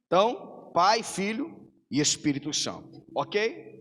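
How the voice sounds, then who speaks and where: A man's voice: sits high, very animated, slow pace, a bit bright. A man with a Brazilian accent preaching a sermon as a pastor. He calls his listeners "brother" and builds up long lists of phrases for emphasis. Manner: preaches to the congregation, calling them brother. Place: church hall. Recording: long hall reverb.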